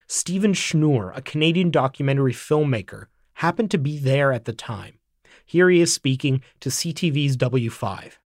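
A man narrating an investigative report in scripted, measured form. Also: mid-range voice, no echo, clean studio sound. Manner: measured, even delivery. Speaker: documentary narrator.

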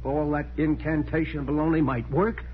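An actor playing a plain-spoken police sidekick, blunt and slangy, in 1940s radio crime style on a muffled vintage recording. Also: male voice, on the high side, steady tone, normal speed, slight background noise, natural voice. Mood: blunt, curious.

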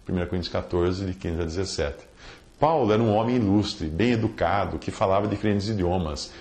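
A man preaching a podcast sermon, lively and teasing, reading scripture aloud. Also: deep voice, a little fast, roomy sound.

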